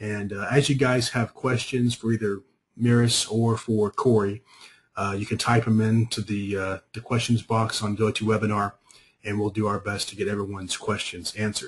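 A man speaks at a moderate pace with a fairly low pitch and a somewhat breathy sound. His intonation is monotone and flat. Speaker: webinar host. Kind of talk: webinar introduction. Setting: online webinar. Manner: stuttering a little.

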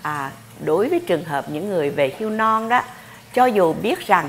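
A woman speaks at a medium pitch over light background noise. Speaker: social security benefits expert answering questions; TV presenter. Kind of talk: call-in advice show answering listener questions. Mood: warm, smiling. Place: studio. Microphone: lapel.

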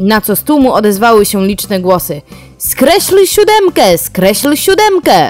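Her pitch swings very widely as she talks. A woman speaks over background music. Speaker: voice-over narrator. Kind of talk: joke reading for a video compilation.

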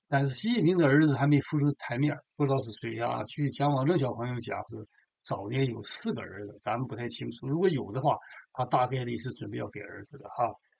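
Over a quiet background, a man speaks at a fairly quick pace with vocal fry, big swings in loudness and ordinary pitch variation. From Liaoning, northeast China. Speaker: political commentator. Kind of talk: news commentary monologue. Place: home room. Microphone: webcam.

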